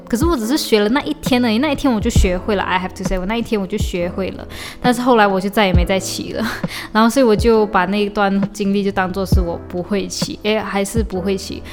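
A young woman from Malaysia, telling stories in a chatty, casual podcast diary, often restarting and mixing in English. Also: medium pitch. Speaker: podcast host. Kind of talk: casual diary-style storytelling. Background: faint lo-fi beat.

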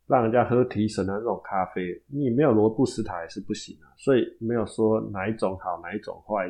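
A man's voice: on the low side, warm tone. A man with a Taiwanese Mandarin accent hosting a storytelling podcast, narrating casually with chatty asides to his listeners.

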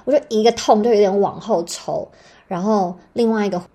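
A young woman with a Taiwanese Mandarin accent tells a personal story on her podcast. Her voice is mellow and slightly husky. She talks in an animated, dramatic way and swears freely. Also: medium pitch, fairly quick. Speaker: podcast host.

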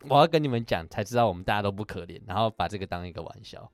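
A man interviewing a singer in a casual chat, animated and mixing English words into his speech. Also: on the low side, very fast, dry recording. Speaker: interviewer and musician. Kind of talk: casual conversation.

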